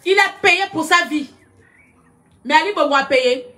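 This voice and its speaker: Loud combative woman, high voice. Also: unhurried. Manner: loud, combative, shouting at viewers. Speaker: live-stream commentator. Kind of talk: heated live-stream rant. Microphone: computer webcam.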